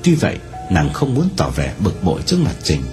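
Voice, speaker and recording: A man narrating a novel aloud in an expressive storytelling manner. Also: a little fast, over music. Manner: expressive storytelling with wide swings in pitch.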